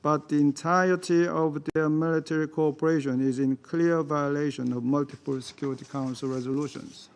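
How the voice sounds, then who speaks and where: A man whose first language is Korean, reading a formal prepared statement as a delegate to a security council, in a measured, deliberate way. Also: fairly high pitch, fairly even intonation. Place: council chamber.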